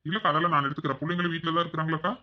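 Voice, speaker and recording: Guy doing a sweet young husband home from abroad, talks fast in one flat tone, muffled audio, cartoon. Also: on the high side, natural voice. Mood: doting, soothing. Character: young husband back from abroad, doting and apologetic. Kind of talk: cartoon voice acting.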